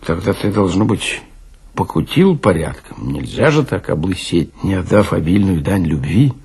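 A concerned, disbelieving friend voiced by a man presses for answers in a literary radio play. He is low and husky, with a questioning, incredulous way of talking. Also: sing-song, moderate pace, a little mellow, full character voice. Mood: probing. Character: puzzled, probing old friend of a café drinker.

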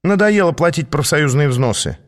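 A man's voice: on the high side, animated, pitched above the performer's own voice, natural voice. A man doing a teasing young female assassin. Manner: teasing and brisk. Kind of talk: audiobook reading.

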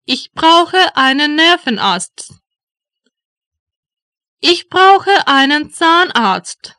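A woman reads out short German phrases for learners, each one spaced out and repeated. Her voice sits high and bright, with a lively rise and fall. The recording is dry and close. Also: no room sound. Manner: deliberate, each phrase read twice. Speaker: German language teacher voice. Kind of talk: slow phrase drills for learners.

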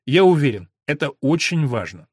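A man's voice: on the high side, sing-song, normal speed, husky, no room sound, studio quality. A man voicing an earnest young male recruiter who talks persuasively.

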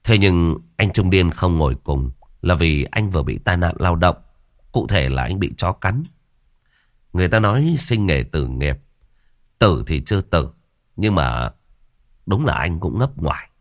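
A man's voice: sits low, lively intonation, unhurried, pauses often, no room sound, studio quality. A man narrating a ghost story in a vivid, colloquial way.

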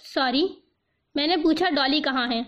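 A woman voicing a sharp-tongued young woman who confronts a stranger in a cutting, accusing tone, on a dull lo-fi recording. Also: high voice.

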